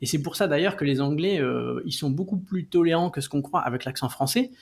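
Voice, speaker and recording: A man's voice: on the high side, lively intonation, brisk, creaky. A man explaining things as a guest in a casual interview, with lots of fillers and restarts. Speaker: guest, co-founder of a language site.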